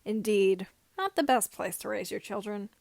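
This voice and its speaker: A woman's voice: mid-range voice, moderate pace, vocal fry, a little mellow, no room sound, natural voice. A woman reading the part of a teasing, mock-exasperated nineteen-year-old male mechanic in a fan fiction story. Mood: wry.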